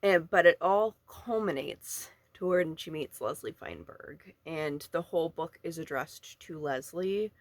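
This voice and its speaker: A book vlogger chatting casually and informally about their reading, in a halting way with frequent asides. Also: mid-range voice, no room sound. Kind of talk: casual book review chat to camera.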